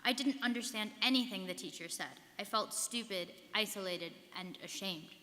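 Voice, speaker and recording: A woman's voice: mid-range voice, moderate pace, pushed and bright, close to an everyday voice. A young woman, a student performer, reciting an earnest first-person life story in a rehearsed stage reading. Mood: earnest recollection. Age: young adult. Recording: live reading in reverberant hall.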